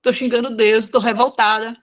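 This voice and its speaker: A woman with a high, bright voice leads a casual devotional for women. She preaches frankly, dropping in slang and talking to listeners as friends. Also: little pitch movement, moderate pace. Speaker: devotional speaker. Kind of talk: informal devotional talk.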